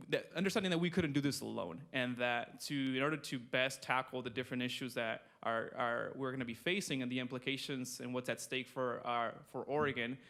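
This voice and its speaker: A young man from Mexico gives a conference talk about his census work. He speaks in a flat, level tone, with frequent ums and restarts. His humour is light and self-deprecating. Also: mid-range voice. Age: 20s. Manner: conversational, many fillers and restarts, self-deprecating. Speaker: state census project manager presenting. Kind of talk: conference presentation. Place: conference room.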